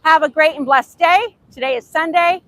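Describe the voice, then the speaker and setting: Bright-voiced woman with a Hungarian accent. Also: high-pitched, moderate pace, dry recording. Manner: earnest, repetitive, carefully overpronounced words. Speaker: author and host. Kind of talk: motivational faith talk to camera. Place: outdoors at a beach.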